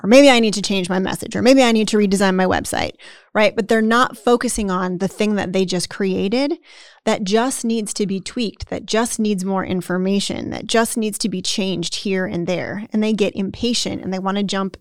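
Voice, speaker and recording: A woman's voice: mid-range voice, normal speed, no room sound, studio quality. A woman co-hosting a podcast in casual conversation, chatty, often tagging sentences with "right?" and acting out the self-talk of the people she describes. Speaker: podcast co-host.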